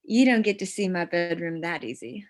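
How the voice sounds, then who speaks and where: An actress playing a self-possessed, flirtatious store clerk in a script table read, with a dry, teasing delivery. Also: female voice, fairly low pitch, lively intonation, moderate pace, soft background music, lightly acted.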